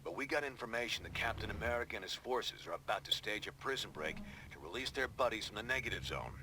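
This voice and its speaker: Blunt team commander, noisy background. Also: male voice, fairly low pitch, expressive, quick pace. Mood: brisk, blunt. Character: gruff, no-nonsense male team commander giving briefings. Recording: clear background noise.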